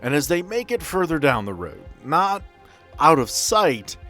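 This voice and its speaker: A man's voice: fairly high pitch, very animated, unhurried, pushed and bright, soft background music. A man narrating a tabletop role-playing game as game master.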